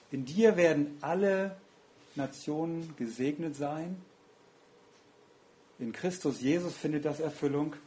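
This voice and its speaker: A man's voice: on the high side, warm tone. A man preaching a sermon in an earnest, reflective way, often asking rhetorical questions.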